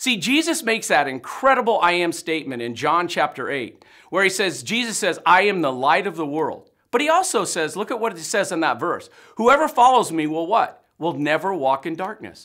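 A man speaks at a moderate pace in a bright, sharp tone, his pitch swinging very widely against a quiet background. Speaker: pastor. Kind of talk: sermon. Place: studio.

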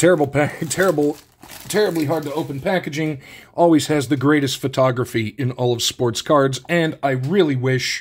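The man talks at a moderate pace. His pitch varies in an ordinary way. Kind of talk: casual unboxing commentary. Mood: enthusiastic collector. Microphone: phone near.

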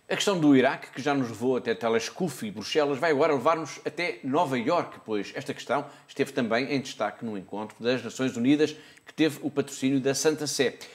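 A man talks quickly-ish in a fairly high pitch, at a fairly quick pace. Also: ordinary pitch variation. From Portugal. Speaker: TV presenter. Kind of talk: news reading. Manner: formal. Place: studio. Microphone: lapel.

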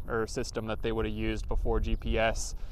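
A man at a fairly quick pace, dry sound with no echo, light background noise. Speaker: explorer vlogger. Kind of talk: casual vlog chat. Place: open country. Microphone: phone near.

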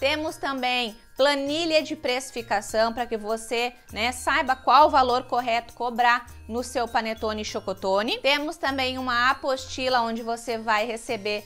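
A woman's high voice at a moderate pace, fairly even in intonation, with faint music in the background. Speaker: baking course instructor. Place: kitchen. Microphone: lapel.

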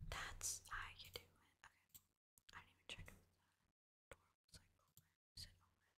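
A woman whispers at a fairly quick pace, with big swings in loudness and long, frequent pauses. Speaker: ASMR gaming streamer. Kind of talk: ASMR gaming commentary. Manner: soft-spoken, casual. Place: home room. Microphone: studio mic.

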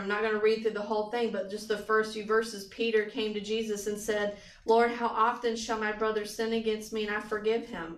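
Against audible room echo, a woman speaks at a fairly quick pace with monotone, flat intonation. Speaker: church leader leading communion; speaker. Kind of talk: sermon and prayer. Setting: church with online viewers. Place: church.

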